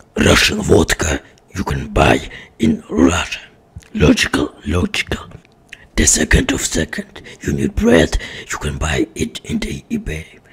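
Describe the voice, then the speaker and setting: A raspy man speaks at a fairly slow pace. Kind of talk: comic tutorial. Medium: machinima. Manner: earnest, blunt, comically emphatic.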